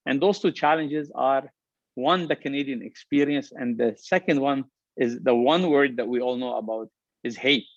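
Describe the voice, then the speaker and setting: A man's voice: medium pitch, moderate pace, no room sound, dull audio. Lebanese-accented man giving an upbeat keynote. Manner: earnest, upbeat, emphatic with repeated phrases. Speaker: restaurant company founder giving a talk. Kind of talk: motivational keynote speech.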